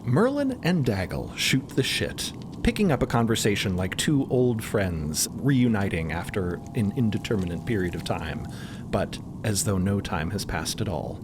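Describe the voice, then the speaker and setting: A man's voice: lowish voice, big pitch swings, moderate pace, background noise. A man narrating a scripted fiction podcast in a playful storytelling style.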